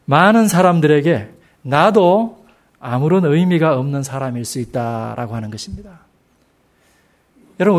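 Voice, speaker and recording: A middle-aged man preaching a sermon in a church, speaking slowly and emphatically and asking the congregation rhetorical questions. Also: a little high. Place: church sanctuary.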